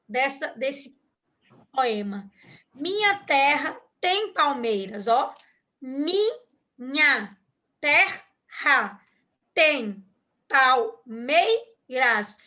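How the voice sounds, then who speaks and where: Bright, high-voiced woman teaching slowly. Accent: Brazilian Portuguese. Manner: patient, checks understanding often. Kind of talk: online class explanation.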